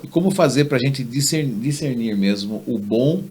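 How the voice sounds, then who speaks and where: A man hosting a podcast interview, telling stories in an animated way and letting his voice drop low at the ends of stories. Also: normal speed, slightly rough. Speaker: podcast host. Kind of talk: conversational interview.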